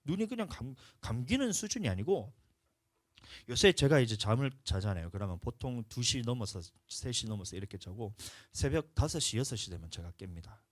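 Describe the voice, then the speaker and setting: A male pastor preaching a sermon, telling a personal story with emotion, moving between hushed confession and loud, urgent pleading. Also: mid-range voice, very animated, fairly quick, no echo, studio quality. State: tired from lack of sleep. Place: church sanctuary.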